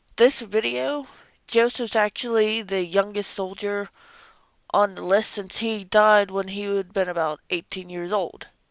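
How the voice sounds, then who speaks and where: Mumbling at a fairly slow pace, a woman speaks in a medium pitch with ordinary pitch variation and big swings in loudness, on a very clean recording with a silent background. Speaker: amateur history researcher; parent. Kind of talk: casual history narration. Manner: somewhat mumbled.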